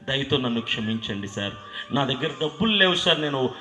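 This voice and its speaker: A man's voice: mid-range voice, very animated, fairly quick, pushed and bright. A man voicing a male murderer who weeps and begs a lawyer for mercy. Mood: pleading. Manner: whining, repeated begging. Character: pleading, sobbing male murderer begging for mercy. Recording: echoey hall with long reverb and faint music.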